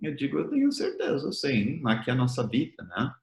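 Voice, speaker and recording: A man's voice: mid-range voice, huge pitch swings, fairly quick, gravelly, darkish tone. American man preaching, echoey room. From United States. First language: English. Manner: conversational, often ends phrases with a tag question. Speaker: missionary preacher. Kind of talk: conversational sermon. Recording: roomy echo.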